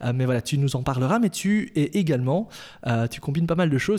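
Fairly high in pitch, this man's voice has a dark, mellow tone. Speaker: podcast host. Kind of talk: interview conversation.

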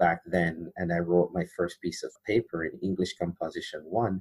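In a Jamaican accent, a man speaks with a very deep, low pitch, the sound dry and close with no echo. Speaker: academic advisor. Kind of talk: interview.

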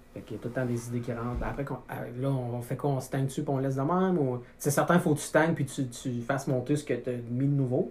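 Very fast, somewhat breathy speech with fairly even intonation. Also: man, medium pitch for a man. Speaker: auto repair shop owner. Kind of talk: casual chat.

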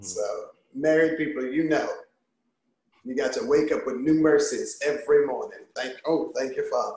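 A man with an American accent speaks at a moderate pace, his loudness swinging widely. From Virginia (Richmond, rural Amherst County roots). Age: 40s. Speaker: actor. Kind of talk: casual interview.

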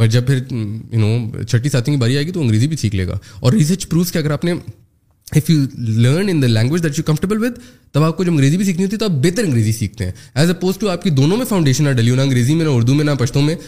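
A man with a fairly high pitch, a dark, mellow tone and a somewhat breathy voice makes very wide pitch swings. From Pakistan. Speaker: education entrepreneur. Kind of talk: interview.

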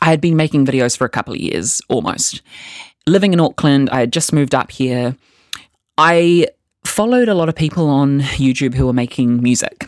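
With a New Zealand accent, a woman speaks in a very deep, low pitch and lively intonation. Her pace is fairly quick, broken by long, frequent pauses. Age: 20s. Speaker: podcast host, musician and drag performer. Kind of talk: casual solo podcast monologue.

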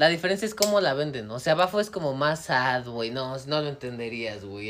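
A man speaks in a normal speaking voice at medium pitch. His intonation is lively and his pace is moderate. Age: 20s. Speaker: office worker. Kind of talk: casual chat.

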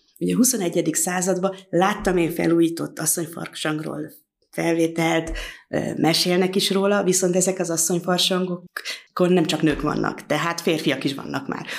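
In an ordinary speaking voice, a woman with a fairly low pitch keeps a moderate pace and fairly even intonation. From Hungary, Somogy county. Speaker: ethnographer, museum researcher. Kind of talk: interview.

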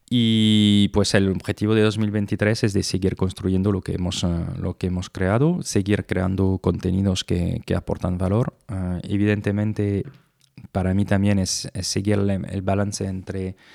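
A man speaks at a fairly slow pace with a French accent, his fairly low voice dark and mellow in a dry, close recording with no echo. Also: fairly even intonation, very clean recording, silent background. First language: French (speaking Spanish). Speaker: podcast host and digital agency founder. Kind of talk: solo reflective monologue. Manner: halting, many fillers and repetitions.

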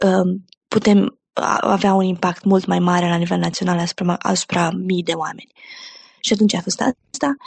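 With a moderate tempo, the speaker sounds slightly breathy. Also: woman. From Romania. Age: 20s. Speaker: entrepreneur and educator. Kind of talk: interview.

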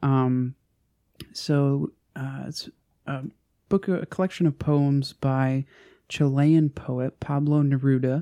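Very slow and marked by long, frequent pauses, a man's fairly high-pitched voice carries a dark, mellow tone and fairly even intonation in a dry, close recording with no echo. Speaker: podcast host. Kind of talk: casual chat. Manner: casual, laughs often.

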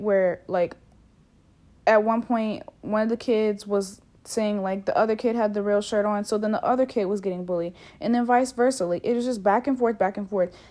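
A soft-spoken woman with an American accent, a fairly high pitch and a dark, mellow tone. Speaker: podcast host. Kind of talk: casual solo chat. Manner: casual, filler-heavy, chatty.

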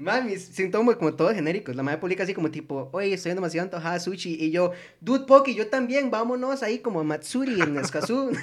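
Rattling along at a very fast pace, a man with a Costa Rican accent speaks at a high pitch with lively intonation. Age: 20s. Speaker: podcast host and streamer. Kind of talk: casual chat.

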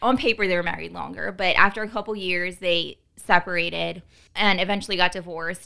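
On a very clean recording with a silent background, a woman speaks at a moderate pace in a medium pitch with ordinary pitch variation, a bright, sharp tone and vocal fry. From New Orleans, Louisiana. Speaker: small business owner. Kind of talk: casual chat.

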